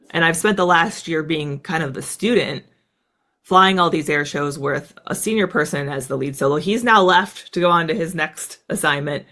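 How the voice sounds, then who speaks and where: A thirtyish American woman, once a fighter pilot, is a guest in a casual interview. She tells her stories fast and animatedly in a low voice, using "like" over and over.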